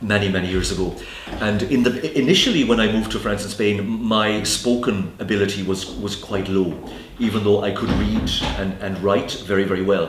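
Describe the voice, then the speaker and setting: A man with an Irish accent talks at a fairly quick pace in a fairly low pitch. Noticeable background noise and audible room echo surround his voice. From Ireland. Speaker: English teacher. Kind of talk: interview.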